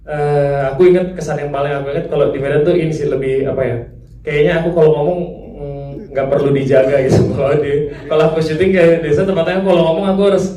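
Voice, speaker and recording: A man's voice: a little high, fairly even intonation, quick pace, dark tone. Chatty man in an echoey hall. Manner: chatty, laughing, mimics others' speech. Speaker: actor at a press conference. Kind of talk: casual press-conference remarks. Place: large event hall. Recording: echoey hall, mic far off.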